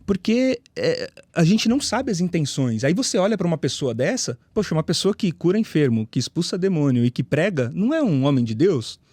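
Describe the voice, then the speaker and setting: A Brazilian man talks as a pastor on a podcast. His voice sits a little high and sounds mellow and dark. He tells stories and acts out the voices of the people in them, in a close, dry recording. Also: big pitch swings, fairly quick, few pauses, dry recording. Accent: Brazilian Portuguese. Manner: storytelling, acts out quoted voices, rises in emphasis. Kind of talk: podcast conversation, preaching.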